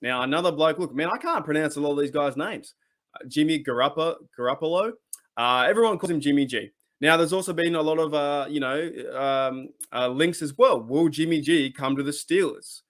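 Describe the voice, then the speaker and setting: A man's voice: fairly high pitch, brisk, fairly bright tone. A man with an Australian accent hosting a sports talk channel, chatting casually and rambling with many restarts. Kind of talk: casual solo commentary.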